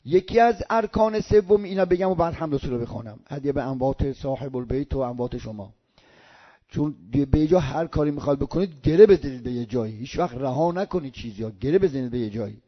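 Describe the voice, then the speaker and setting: A man's voice: a little high, expressive. Older man teaching prayer, muffled recording. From Iran. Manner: slow drawn-out recitation of Arabic sounds. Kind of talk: religious lesson.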